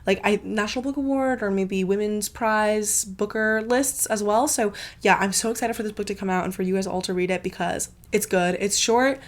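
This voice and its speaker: A woman's voice: medium pitch, steady tone, normal speed, hardly any pauses. A congested woman hosting her book channel, gushing in a casual, filler-heavy review with plenty of swearing.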